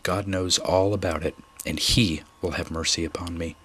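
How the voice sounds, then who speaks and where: A man reading the soft, feeble lines of a dying young girl in his own very low voice. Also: fairly even intonation, moderate pace, a little hiss or hum. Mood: gentle.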